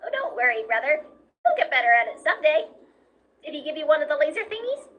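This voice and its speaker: A woman voicing an eager, childlike skeleton little brother in a fan comic dub, excitable and earnest. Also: sits high, fast, highs cut off. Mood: cheerful, encouraging.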